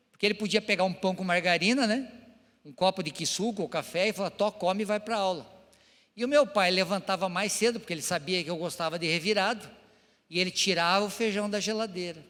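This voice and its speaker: Middle-aged male pastor, high voice, emotional halting testimony sermon, long hall reverb. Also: fairly bright tone. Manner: emotional, halting, addresses the congregation directly. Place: church hall.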